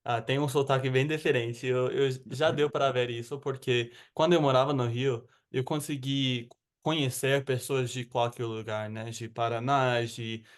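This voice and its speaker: A man's voice: mid-range voice, normal speed. An American man who speaks learned Portuguese with a Rio accent, chatting casually and a bit rambly as an interview guest. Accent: American, with Rio de Janeiro Portuguese. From United States. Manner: relaxed, rambling with fillers.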